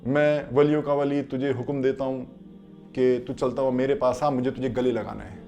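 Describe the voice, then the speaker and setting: A man voicing a wry, teasing old male sage who turns loud and commanding when giving orders. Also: mid-range voice, level tone, faint music behind, pitched below the performer's own voice, lightly acted.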